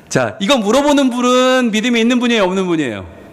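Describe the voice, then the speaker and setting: Animated male pastor in a reverberant hall. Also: sits high, fairly quick. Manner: animated, conversational preaching with acted dialogue. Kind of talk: sermon. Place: church sanctuary.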